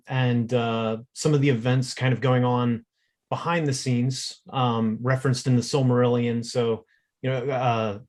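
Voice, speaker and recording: Hesitant man artist on a panel. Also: mid-range voice. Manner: hesitant, many fillers. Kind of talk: casual panel talk.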